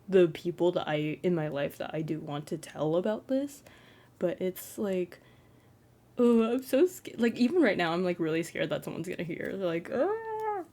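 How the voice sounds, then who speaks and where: A young trans man with a feminine-sounding, fairly flat voice, rambling self-consciously in a casual late-night vlog from his bedroom, full of "like" fillers. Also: sits high. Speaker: content creator.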